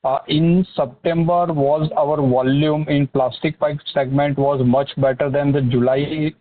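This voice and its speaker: A man with an Indian accent, a financial analyst asking questions on an earnings call in a halting, repetitive way. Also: on the high side, steady tone. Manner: halting, hesitant, repetitive phrasing. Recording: narrow phone-line sound.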